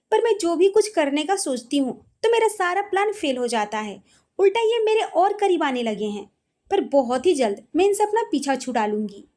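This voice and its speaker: A young bride in a spoken storybook, short-tempered and quick to snap back, her lines high and swinging up and down, as a woman narrator reads her. She sounds fed up but never loses her spark. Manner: sharp, annoyed retorts. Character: young bride, irritated and playful.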